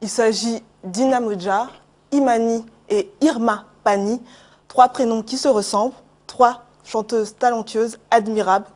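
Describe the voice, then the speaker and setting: A woman presenting a music segment on a TV news set, speaking in a lively, flowing way. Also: fairly high pitch. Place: TV studio.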